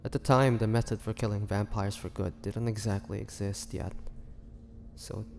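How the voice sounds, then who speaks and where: A man playing a weary, bitter young half-vampire prisoner in a dramatic audio roleplay, speaking haltingly and sorrowfully. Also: lowish voice, fairly even intonation, creaky, darkish tone. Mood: haunted, pained. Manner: slow, halting, sorrowful delivery with sighs and pauses. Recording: long hall reverb, faint noise.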